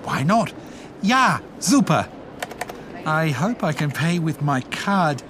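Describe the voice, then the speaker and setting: An actor playing an eager, flustered English-speaking traveller who hesitates and exclaims in a radio drama. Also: male voice, fairly high pitch, sing-song, slow pace, background noise. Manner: hesitant, exclamatory, switching languages.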